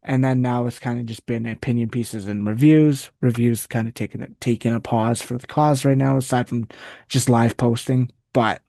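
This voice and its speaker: A man from Canada talks casually as an interview guest, circling back and restarting his sentences as he wanders off on tangents. His voice sits in an ordinary middle pitch. The recording is dry and close, with no room echo. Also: steady tone, moderate pace, gravelly, warm tone. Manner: rambling, restarts often, goes on tangents. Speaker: guest, wrestling site writer.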